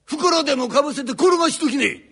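A male rakugo storyteller voicing a haughty, spiteful older landlord who talks down in drawn-out Edo downtown speech. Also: extremely high pitch, expressive, pushed and bright, full character voice. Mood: contemptuous. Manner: sneering, condescending, drawn out.

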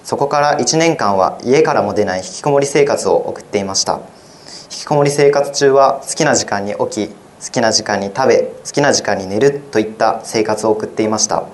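A man's voice: lowish voice, fairly quick. Teenage boy reading his essay plainly. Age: teens. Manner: plain, even-paced reading. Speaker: high school student. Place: radio studio.

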